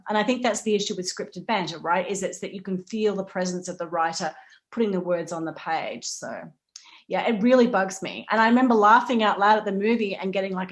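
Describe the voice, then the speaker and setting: A woman speaking informally as a panelist, animated and conversational, illustrating her points with examples. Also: medium pitch. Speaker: panelist, playwriting teacher.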